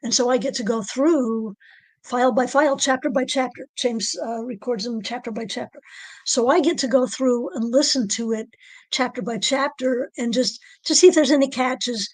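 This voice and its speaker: A woman author with a low alto voice, speaking in a halting, soft-spoken way in a casual podcast interview. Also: no room sound, poor audio. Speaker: author guest.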